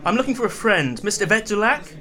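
A man's voice: sits high, very animated, fast, bright, forceful tone, exaggerated voice. A man playing a gallant, plummy RAF squadron leader, in an audio drama. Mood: brisk.

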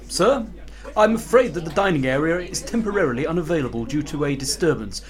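A man's voice: on the high side, lively intonation, a little fast, close to an everyday voice. A man playing a deferential, dryly polite hotel waiter, in an audio drama.

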